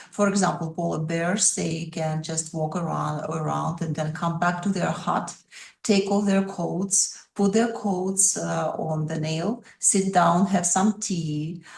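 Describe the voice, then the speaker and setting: A woman with a Russian accent speaks at a very slow pace with a fairly low pitch and fairly even intonation. Noticeable background noise is present. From Russia (Soviet Union, Komi family, Kola Peninsula). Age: 60s. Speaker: artist. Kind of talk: interview.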